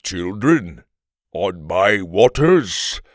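A man voicing a huge, gruff, fierce Viking warrior, growling slowly with a heavy Scandinavian accent. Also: sits low, big pitch swings, no room sound, studio quality, full character voice. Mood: menacing. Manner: growling, slow, forceful.

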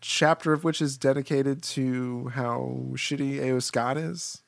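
A man with a mid-pitched voice in a casual film discussion, recorded dry and close. He talks as a podcast co-host, hedging his points in loose, conversational phrases. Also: steady tone, takes it slowly, creaky, no room sound.

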